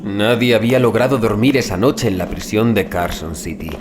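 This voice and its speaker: A man reading a scripted horror story as an audiobook narrator, in a grave, deliberate dramatic manner with drawn-out phrase endings. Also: on the low side, noisy background. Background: music bed.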